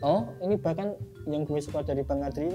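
A man's voice: a little high, brisk, music in the background. A young man as a podcast guest, talking casually in a shy, rambling, self-deprecating way and laughing often. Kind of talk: casual interview chat.

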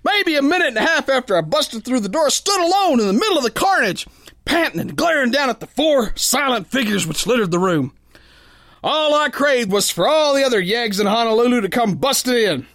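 A man's voice: extremely high pitch, sing-song, a little fast, a bit bright, dry recording, full character voice. A man playing a big, boastful, gullible boxer who tells his tale in slangy, ungrammatical tough-guy talk for a pulp radio play. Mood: narrating. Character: big brawling boastful soft-hearted gullible male boxer, slangy narrator.

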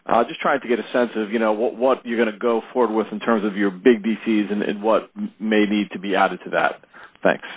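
A man working as a financial analyst, asking unscripted questions on an earnings call in a halting, conversational way. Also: on the low side, steady tone, slightly rough, no echo. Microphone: phone. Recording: tinny narrow phone connection.

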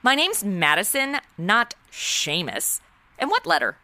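Casting: flippant modern young woman played by an actress, lively swooping delivery, bright tone, wisecracking audio-comedy sleuth. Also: mid-range voice, a little slow, dry recording, full character voice. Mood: breezy, distracted. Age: 20s. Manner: sarcastic, breezy, easily sidetracked. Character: flippant modern twenty-something woman playing amateur detective. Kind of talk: comedy audio drama, wisecracking first-person narration.

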